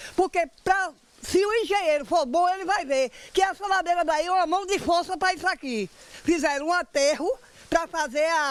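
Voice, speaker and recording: The man's voice is extremely high-pitched, with ordinary pitch variation. He keeps a moderate pace. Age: 70s. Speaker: elderly condominium resident. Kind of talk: news interview complaint.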